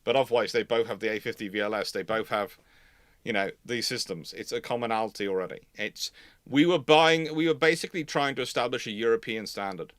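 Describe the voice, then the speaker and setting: A man's voice: mid-range voice, a little fast, fairly bright tone, no echo, clean studio sound. A man with a British accent hosting an unscripted live chat, rambling and rephrasing himself as he explains. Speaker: host of a live history stream.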